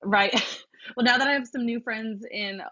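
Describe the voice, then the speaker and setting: A woman co-hosting a casual podcast chat, lively and quick to chime in, often laughing. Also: a little high, muffled recording. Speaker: podcast co-host.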